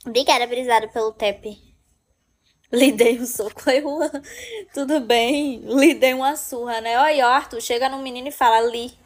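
A young woman hosts her own live stream, chatting and joking with viewers. Her voice sits on the high side, and her talk is playful and chatty, with frequent laughs. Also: steady tone, normal speed. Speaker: livestream host.

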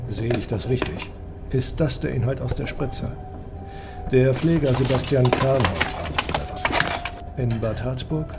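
An actor playing a secretive government agent in charge, curt and authoritative, in an audio drama. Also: male voice, medium pitch, expressive, slow, heavy background noise. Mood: cool, demanding.

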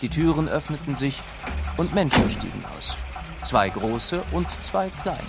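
A man narrating a children's audio drama as a scripted storybook tale, with a gravelly voice. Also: on the high side, very animated, measured pace, music in the background.

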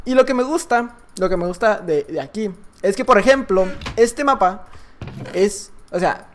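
Mexican male gamer, loud and shouty, pitch jumping all over, casual commentary. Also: animated, moderate pace, slight background noise. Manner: loud, shouting and laughing often. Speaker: gaming YouTuber.

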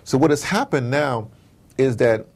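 In an animated interview, a man who produces audio dramas digresses emphatically and hammers his points by repeating phrases. He has a medium-pitched, slightly rough voice, lively in delivery but a little slow.

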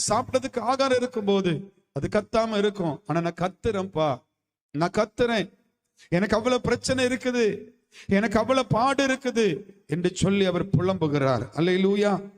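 Male pastor, very high voice, preaching with fervor in a reverberant church hall. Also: moderate pace, long pauses. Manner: impassioned preaching, calls for hallelujah responses. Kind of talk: fervent Tamil sermon.

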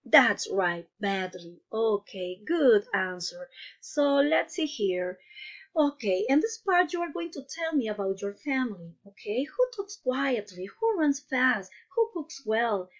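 A woman's voice: fairly high pitch, very animated, slow, dull audio. A woman teaching English to young children in a patient way, asking questions and praising each answer. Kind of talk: online class lesson.

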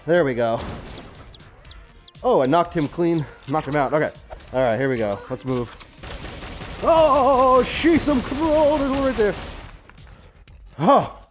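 This male gaming host has a fairly high voice with big pitch swings, speaking slowly and pausing often. As he plays, he gives casual, exclamatory commentary, repeating short phrases and mild, clean exclamations to himself amid game music and effects.

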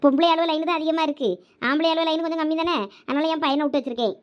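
A woman's voice: high-pitched, steady tone, racing, muffled recording. A woman with a Thoothukudi Tamil accent in a village comedy skit, bossy and scolding.

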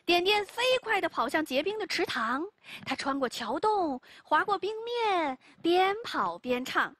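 Animated high-voiced woman storyteller. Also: no echo. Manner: animated, exclamatory, drawn-out. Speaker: children's TV storyteller. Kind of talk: storytelling for children.

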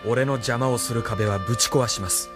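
A man's voice: medium pitch, fairly quick, over music, close to an everyday voice. An actor playing a proud young male pilot officer who answers in blunt, clipped lines in an anime radio drama. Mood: resolute. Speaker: military pilot, lieutenant.

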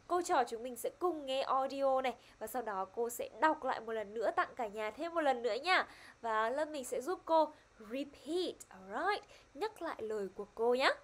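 A woman's voice: high voice, animated, moderate pace, few pauses. A woman teaching a primary-school English lesson online, upbeat and coaxing. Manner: upbeat, coaxing, switches between two languages.

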